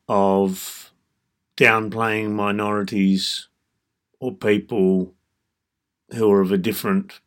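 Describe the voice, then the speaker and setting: A man in his fifties with an Australian accent, hosting a reflective solo podcast in a measured, deliberate way, breaking his thoughts into short phrases. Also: lowish voice, a bit bright. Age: 50s. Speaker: podcast host.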